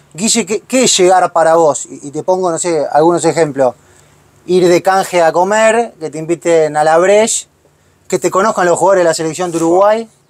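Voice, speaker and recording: This man talks at a moderate pace with a high pitch and ordinary pitch variation. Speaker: interviewer. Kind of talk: casual chat. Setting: football stadium.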